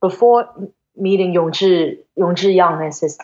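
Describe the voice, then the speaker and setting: A woman from Hong Kong in her forties, talking as a guest in a relaxed, meandering way and restarting her sentences often. Her voice sits a little low, and the recording sounds dull and lo-fi. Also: moderate pace. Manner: chatty, many fillers and restarts. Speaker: guest, venture investor. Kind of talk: casual interview storytelling.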